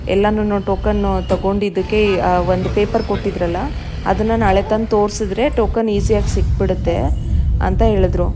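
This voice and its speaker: A young woman, a new mother chatting through a casual vlog and mixing English words into her talk. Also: medium pitch. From India.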